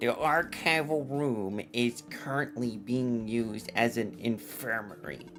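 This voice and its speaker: A put-on character voice, low in pitch and fairly slow, with hardly any pauses and clear music in the background. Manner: officious, polite announcement.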